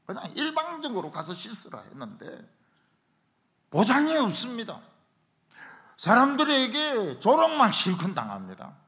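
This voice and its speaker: A middle-aged man preaching a revival sermon in a church, telling stories and acting out shouted quotes. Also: high-pitched, gravelly. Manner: animated storytelling, acts out shouted quotes. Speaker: pastor. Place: church sanctuary.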